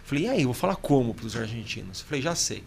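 A man's voice: medium pitch, big pitch swings, fast talker, creaky, slight background noise. A man with a Brazilian Portuguese accent, a podcast host telling anecdotes in slangy casual chat.

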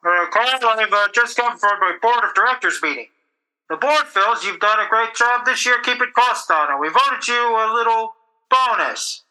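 An actor playing a brisk, genial senior board member in radio comedy. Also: male voice, very high-pitched, animated, pushed and bright, exaggerated voice, rough recording. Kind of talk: old-time radio comedy acting.

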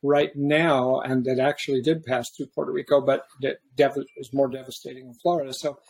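A man hosting a podcast in a casual, reflective way, often halting and restarting his sentences. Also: mid-range voice, level tone, vocal fry, darkish tone, slightly rough. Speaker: podcast host.

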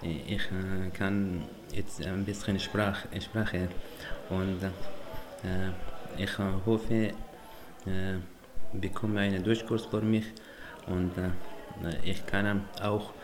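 Male, twenties, Afghan accent, hesitant beginner speaker, lowish slow voice over background crowd chatter. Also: fairly even intonation. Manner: very halting, broken learner speech with many hesitations. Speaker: language learner. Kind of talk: personal self-introduction.

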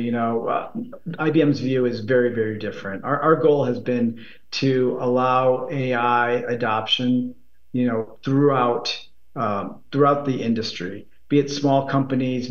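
A man being interviewed as a tech executive, speaking in halting phrases with many repeats and fillers. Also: medium pitch, fairly even intonation. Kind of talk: interview answers. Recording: roomy, dull remote line.

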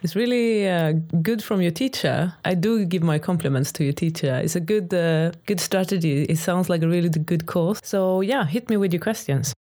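A woman's voice: on the low side, moderate pace, few pauses, dark tone. Young Swedish woman, accented English, talkative and upbeat podcast host being interviewed, casual and loose. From Sweden. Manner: chatty and enthusiastic, laughs often, frequent restarts.

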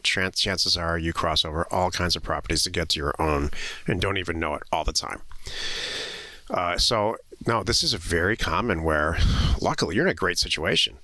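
A man's voice: low-pitched, bright, forceful tone, no echo. An American man co-hosting a land investment show, explaining things in a casual, blunt, informal way. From western United States. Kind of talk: casual podcast talk and explanation.

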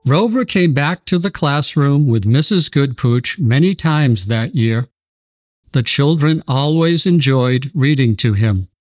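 A man calmly narrating a children's storybook in a measured, gentle reading style. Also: medium pitch, no room sound, clean studio sound.

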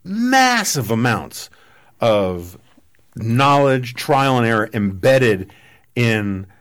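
A man's voice: medium pitch, very animated, drawn-out words, fairly bright tone. A man hosting a podcast, talking casually and discursively, riffing on analogies. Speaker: podcast host. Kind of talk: casual political conversation.

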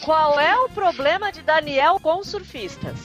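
Female co-host, high lively voice, protests a lot, casual chat. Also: a little slow, highs cut off, music in the background. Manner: animated and indignant, talks over others. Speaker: podcast co-host.

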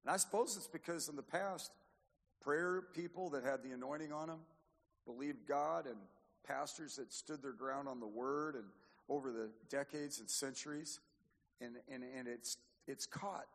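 A man's voice: medium pitch, moderate pace. An older man with an American accent preaching a charismatic sermon, exhorting in a folksy way and repeating phrases for emphasis. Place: large church or hall, live preaching. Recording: long echoing hall reverb.

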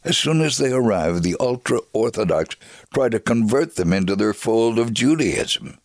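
A man performing a dramatic reading as an earnest, devout Jewish man recounting his life in a measured, solemn way. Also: medium pitch, animated, dry recording, studio quality. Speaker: dramatic reader. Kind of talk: scripted dramatic reading of a memoir.

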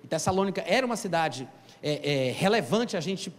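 A man preaching a sermon, teaching from scripture in an animated, emphatic way and calling out to the congregation. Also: sits high, fairly quick. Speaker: pastor. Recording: long hall reverb.

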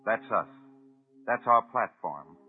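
Young American soldier, defiant and punchy, 1940s radio drama, thin phone-like vintage sound, faint music. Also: male voice, fairly low pitch, expressive, slow pace, husky, exaggerated voice. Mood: defiant, resolute. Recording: tinny, narrow-band vintage 1940s radio broadcast.

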